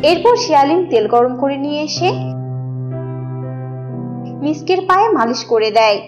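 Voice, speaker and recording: A woman reading scripted narration for an animated animal story. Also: sits high, a little slow, highs cut off, over music.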